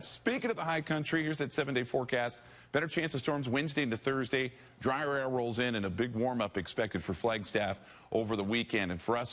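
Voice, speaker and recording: A man's voice: mid-range voice, fairly bright tone. American TV weatherman, conversational. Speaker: TV weather forecaster. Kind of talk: live weather commentary, chatty ad-lib.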